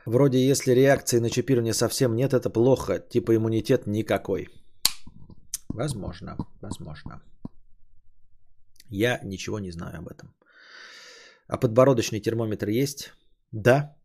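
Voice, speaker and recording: A man's voice: normal speed, long pauses, a little mellow. Rambling, opinionated man in his late thirties. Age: 30s. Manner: rambling and opinionated, many fillers, rises in pitch when indignant. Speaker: podcast host streaming. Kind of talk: casual stream chat reading donations.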